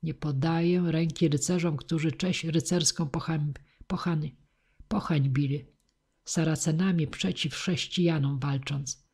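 A woman reading the part of a proud, scornful captive knight in an audiobook, in a husky voice. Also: low-pitched, fairly even intonation, unhurried, dark tone, full character voice. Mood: haughty.

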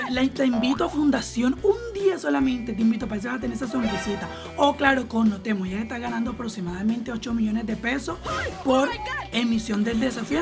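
A young Colombian woman with a Colombian accent, giving outspoken, gossipy reaction commentary and swearing freely. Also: on the high side. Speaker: reaction vlogger. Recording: clear background music. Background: music playing.

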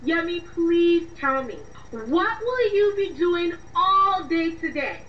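A woman's voice: extremely high pitch, lively intonation, takes it slowly, exaggerated voice. An actress playing a weary, exasperated young woman in a radio drama, with an emotional, reproachful delivery. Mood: bitter, angry. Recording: dull, noisy, echoey, distant mic.

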